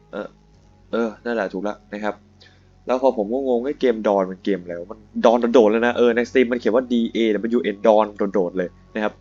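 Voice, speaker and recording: A man's voice: lowish voice, darkish tone, dull audio. A young man giving rambling, joking commentary as he plays a video game, full of crude slang. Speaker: gaming YouTuber. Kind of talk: casual let's-play commentary.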